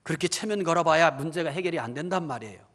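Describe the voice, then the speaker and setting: A male pastor preaching a sermon, animated, asking the congregation questions and acting out believers' inner voices. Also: on the high side, racing. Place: church hall. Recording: church hall reverb.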